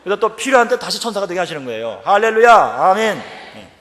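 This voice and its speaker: Fast, animated man preaching in a hall. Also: sits high. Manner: animated storytelling with acted quotes. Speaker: professor speaking at a revival meeting. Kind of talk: humorous revival-meeting sermon. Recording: reverberant church hall.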